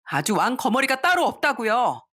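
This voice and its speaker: A woman playing a furious sharp-tongued young wife. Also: a little high, sing-song, normal speed, voice pushed up. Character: furious young wife standing up to her in-laws.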